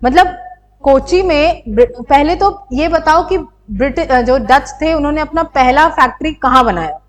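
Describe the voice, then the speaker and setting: A woman's voice: high-pitched, lively intonation, normal speed. A young woman teacher giving an exam-prep lecture, explaining and asking her students rhetorical questions.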